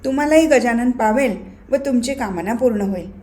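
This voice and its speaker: A woman doing a calm, wise young boy ascetic. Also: on the high side, close to an everyday voice. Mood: gentle. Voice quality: gentle, calm, measured.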